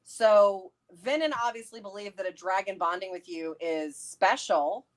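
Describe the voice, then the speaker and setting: A woman chatting casually and excitably, theorizing and thinking aloud as co-host of a livestream. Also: mid-range voice, normal speed. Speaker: co-host of a book read-along livestream. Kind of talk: casual chat, theorizing about a fantasy novel.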